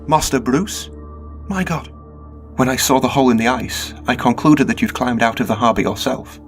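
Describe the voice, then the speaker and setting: A man acting a loyal, dutiful older butler in a radio drama, formal, deferential and anxious for his master, with a husky voice. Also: medium pitch, moderate pace, faint music behind, natural voice. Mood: alarmed.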